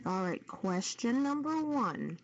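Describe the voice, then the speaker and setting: A woman's voice: fairly high pitch, sing-song, slow. A woman hosting a live quiz, reading out trivia questions and confirming the answers for participants. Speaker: quiz host. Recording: dull, noisy lo-fi voice-chat audio.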